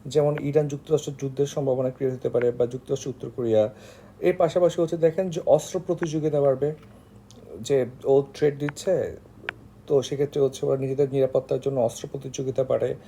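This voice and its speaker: Male online tutor, Bangladeshi accent, very mellow tone with gravelly fry, halting informal lecture delivery. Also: fairly high pitch, slight background noise. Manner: halting, with frequent hesitations and filler phrases. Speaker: online tutor for job exam candidates.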